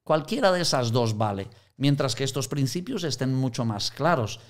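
A man's voice: mid-range voice, normal speed. A man in conversational teaching on Christian mission, telling anecdotes and acting out quoted voices. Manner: animated storyteller, acts out quoted voices.

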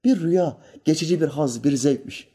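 A man preaching, his voice warm and mellow. He speaks calmly and deliberately, pausing to act out the people in his stories. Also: on the high side, slightly rough. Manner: calm and measured, voices characters in anecdotes. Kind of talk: sermon with storytelling.

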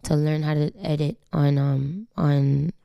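A woman's voice: low-pitched, fairly even intonation, a little slow, vocal fry, smooth, no echo, muffled recording. A young woman from Canada whose first language is Spanish, talking candidly as an interview guest, slangy and swearing freely. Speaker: guest singer. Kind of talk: casual interview talk.

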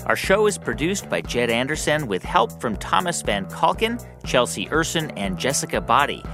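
A man's voice: a little high, very animated, normal speed. A man hosting a kids' podcast, reading the credits and contact details in an upbeat way. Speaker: host. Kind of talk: show outro credits. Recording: music bed behind.

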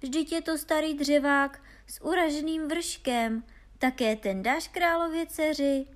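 A woman's voice: fairly high pitch, lively intonation, lightly acted. A woman reading aloud and voicing two scornful, learned brothers who mock their younger sibling. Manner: mocking, sneering.

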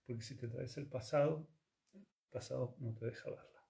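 A man, teaching yoga and conscious communication in a calm, reflective talk full of rhetorical questions. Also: mid-range voice, moderate pace, gravelly, noisy background. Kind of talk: reflective spiritual talk to listeners.

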